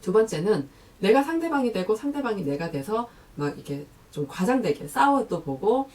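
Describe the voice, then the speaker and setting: A woman giving psychology advice to camera, lively, who acts out the remarks she quotes. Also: mid-range voice, moderate pace, recorded from a distance.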